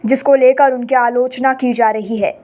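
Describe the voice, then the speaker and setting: A woman news anchor reading a scripted bulletin in a brisk, formal manner. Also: a little high, steady tone, darkish tone.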